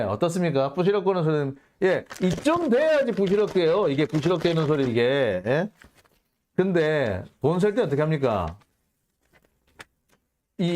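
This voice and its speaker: A man's voice: fairly high pitch, a little mellow, slight background noise. A male host giving casual commentary on a news report, sarcastic and indignant, firing off mocking rhetorical questions.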